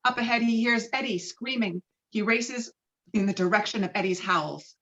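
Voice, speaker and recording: A woman reading screenplay stage directions with dramatic, expressive delivery over a video call. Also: mid-range voice, moderate pace, lo-fi sound. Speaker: stage directions reader at a table read.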